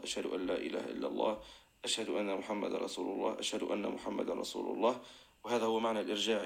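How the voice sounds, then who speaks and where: A man teaching Islamic jurisprudence as a sheikh, explaining a verse text and chanting the phrases of the call to prayer, with frequent drawn-out fillers. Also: lowish voice, creaky.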